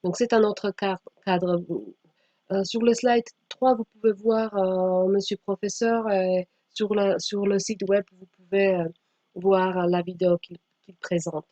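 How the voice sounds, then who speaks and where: A woman giving a slide presentation as a teacher trainer, speaking haltingly with frequent pauses and sometimes reading aloud. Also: mid-range voice, little pitch movement, warm tone. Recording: dull, echoey room sound.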